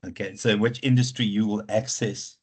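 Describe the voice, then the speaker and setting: This is a man with a somewhat deep voice and a clear South African Afrikaans accent. He lectures informally, working out ideas aloud as he advises students, with a teasing, familiar way about him. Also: fairly even intonation, moderate pace. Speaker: university lecturer advising students on research proposals. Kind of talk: informal online teaching consultation.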